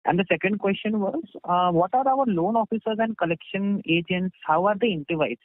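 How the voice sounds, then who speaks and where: A man's voice: high-pitched, fairly quick, no echo. A man with an Indian accent, an analyst politely putting questions on a conference call in an unscripted way. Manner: polite, interjects short acknowledgements. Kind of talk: earnings call questioning, spontaneous. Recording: muffled dry conference call line.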